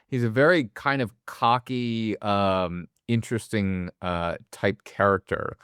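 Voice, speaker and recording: A man's voice: lowish voice, unhurried, fairly bright tone, clear, resonant tone, no echo, clean studio sound. A man co-hosting a casual film podcast, rambling and swearing freely as he talks. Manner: rambling, swears freely, stumbles over restarts. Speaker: podcast co-host.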